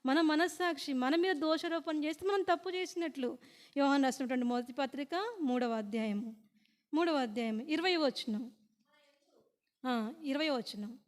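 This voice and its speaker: A woman preaches at a women's meeting, her voice pitched high. She asks the listeners questions and then answers them herself. Her words ring on in a long reverb from the prayer hall. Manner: reads scripture slowly and deliberately. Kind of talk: sermon.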